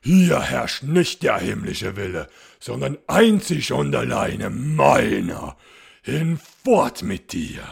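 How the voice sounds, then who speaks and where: A looming spectral knight, the black count, as a man puts him on, with a deep, hollow, gravelly voice. Every word lands loud, slow and commanding. This is a fairy-tale villain who owns the night. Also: very animated, exaggerated voice. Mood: menacing command. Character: huge ghostly black knight count, domineering.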